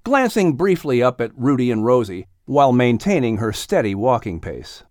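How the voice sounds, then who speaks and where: A man's voice: medium pitch, big pitch swings, normal speed, a little mellow, no echo, studio quality. A man reading scripted narration for a children's audiobook story.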